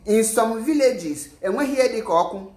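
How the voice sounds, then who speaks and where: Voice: medium pitch, animated, moderate pace, darkish tone. A commentator from Nigeria with an Igbo accent, giving impassioned political commentary and switching between English and Igbo mid-sentence. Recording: roomy, echoey sound.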